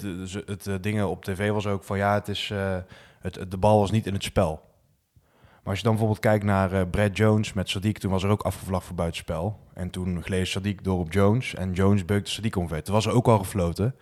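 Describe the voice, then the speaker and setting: Very deep-voiced, fast-talking man. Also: fairly even intonation, darkish tone. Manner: chatty, recounts match moments with many fillers. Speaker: podcast co-host. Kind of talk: casual football podcast chat.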